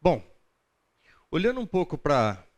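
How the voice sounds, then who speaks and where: A man's voice: a little high, wildly swooping pitch, measured pace. A Brazilian man teaching a Bible class in a conversational, didactic lecture style, often putting questions to his listeners.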